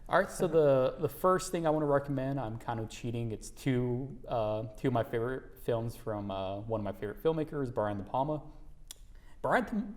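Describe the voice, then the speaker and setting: A man's voice: mid-range voice, darkish tone. Young male host, casual and upbeat, chatty interviewer. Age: young adult. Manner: upbeat, laid-back, lots of fillers and laughs.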